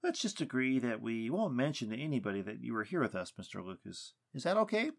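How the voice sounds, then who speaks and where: A man's voice: medium pitch, big pitch swings, fast, gravelly. A man voicing a polite, awkward but firm male investigator in an audiobook, courteous and businesslike. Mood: uneasy, courteous. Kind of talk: audiobook character dialogue.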